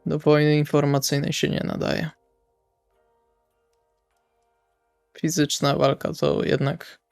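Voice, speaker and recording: A man playing a brooding, fatalistic male vampire in a role-playing audio drama, with a resigned, deliberate way of talking. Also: on the high side, little pitch movement, creaky, no echo, faint music behind. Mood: matter-of-fact. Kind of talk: in-character role-play dialogue.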